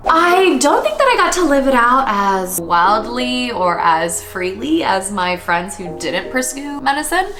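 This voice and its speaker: A woman's voice: fairly high pitch, very animated, fairly bright tone. A woman in her twenties with an American accent, answering viewer questions in a candid, chatty vlog as a medical resident. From United States. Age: 20s. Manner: chatty and candid, quick asides and laughs. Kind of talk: casual Q&A vlog.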